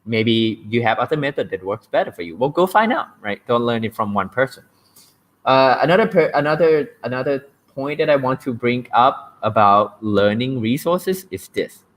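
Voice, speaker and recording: The speaker is a young man from Thailand hosting a laid-back livestream on language learning, talking with a Thai accent in a mid-range, fairly bright voice. He's blunt, cracks jokes and often checks in with "right?".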